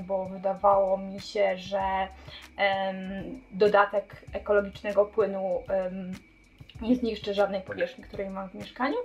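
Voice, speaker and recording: A young woman talks to the camera about cleaning in a small apartment hallway, her tone casual and chatty. She pauses often and restarts words, keeping a mid-pitched, easygoing delivery, with faint music playing underneath. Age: young adult. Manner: chatty, frequent hesitations and restarts. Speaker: cleaning vlogger.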